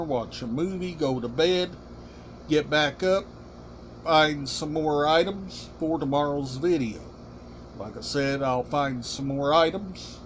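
A middle-aged man hosting a casual collection vlog, talking deliberately in short, halting, emphatic phrases. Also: on the high side, a little hiss or hum. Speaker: collection channel host. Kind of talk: casual show-and-tell vlog. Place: small room indoors.

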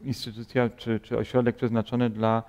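Male interview host, gravelly, hesitant questioner, reverberant studio. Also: mid-range voice, little pitch movement, normal speed, darkish tone. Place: bright TV studio, seated in armchair.

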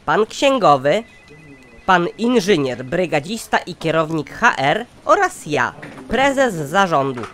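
A man's voice: on the high side, sing-song, slow pace, fairly bright tone, slight background noise, full character voice. A man voicing a pompous, sardonic company chairman in a satirical cartoon, speaking formally. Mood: pompous, businesslike. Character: pompous, exasperated male company chairman, scheming boss.

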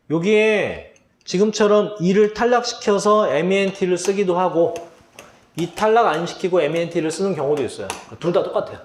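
A man's voice: high-pitched, slight background noise. A man teaching English vocabulary for an exam, asking the students questions and then answering them himself. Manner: quizzing students, answering his own questions. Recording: echoey room.

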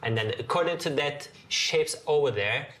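Bright-voiced middle-aged Turkish man. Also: a little high, lively intonation, normal speed. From Turkey. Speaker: restaurant owner interviewed for documentary. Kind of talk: casual explanatory talk.

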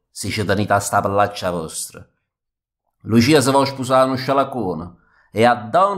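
A man voicing a menacing thug with a Neapolitan accent, delivering threats with deliberate mock courtesy in a theatrical verse recital. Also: on the low side.

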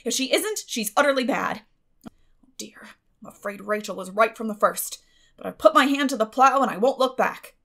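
A woman's voice: a little high, expressive, normal speed, fairly bright tone. A woman voicing a stern, exasperated older female guardian in an audiobook, with a clipped, emphatic delivery.

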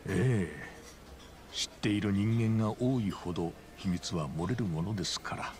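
A man's voice: sits low, expressive, a little mellow. An actor playing a very old, courteous and grave school chairman in a video game drama, speaking formally and with measure. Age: older. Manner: formal, polite, measured old man's delivery. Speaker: school board chairman, client. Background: background music.

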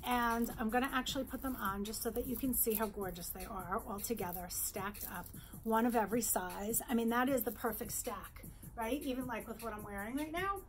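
A middle-aged woman from New York, a jewelry designer, presenting her bracelets in a bright, chatty sales pitch in her showroom, close to the camera. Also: brisk, a little hiss or hum. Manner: upbeat, chatty sales pitch, holds up pieces. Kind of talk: virtual trade show product presentation. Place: indoor showroom with jewelry displays.

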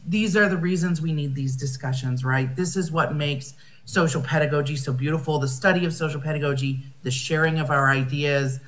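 American woman, slightly low voice, academic speaker on a video call, reflective and searching for words. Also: fairly bright tone. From United States. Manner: thoughtful, rephrasing often, with fillers. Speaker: conference speaker. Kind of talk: academic conference talk.

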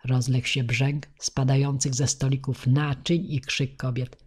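A woman narrating an audiobook in a measured, expressive reading. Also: rumbling low, husky. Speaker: audiobook reader.

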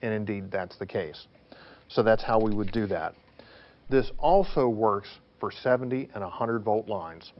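A man's voice: on the low side, measured pace, lo-fi sound. A man teaching as a technical instructor, explaining worked examples step by step in an emphatic, didactic way, often posing questions and answering them.

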